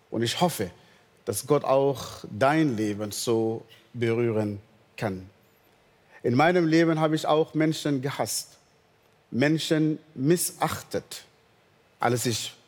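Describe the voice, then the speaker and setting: A man's voice: medium pitch, a little mellow. Man preaching in a reverberant hall. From northern Sudan. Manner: earnest, slow storytelling with non-native German grammar. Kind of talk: sermon with personal testimony.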